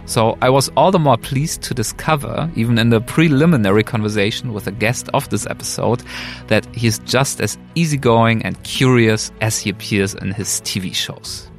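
A man's voice: medium pitch, normal speed, soft background music. A man with a German accent reading a scripted podcast introduction as the host. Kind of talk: scripted narration introducing an episode.

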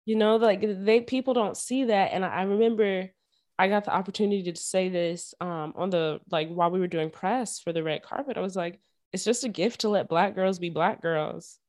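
A young woman podcast host telling stories from her childhood in a casual, animated way, full of slang and fillers. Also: mid-range voice, moderate pace. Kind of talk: casual chat.

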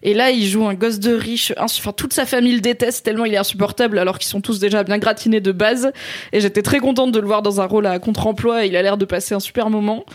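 A woman's voice: mid-range voice, fairly even intonation, quick pace. A woman enthusiastically recommending a film in casual, slangy chat, teasing her co-hosts. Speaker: film reviewer, co-host.

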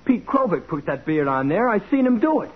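High, husky streetwise young crook. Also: male voice, sing-song, a little fast. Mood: edgy, defiant. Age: young adult. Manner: slangy, tough-kid talk. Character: streetwise, cocky young male small-time crook. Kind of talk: 1940s radio drama acting. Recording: muffled old radio broadcast.

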